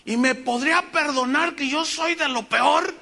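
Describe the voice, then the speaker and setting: A man's voice: extremely high pitch, measured pace, creaky, pushed and bright, voice pushed up, full character voice. A man voicing a huge, remorseful northern cowboy who has killed people, asking in broken, pleading questions whether he can be forgiven.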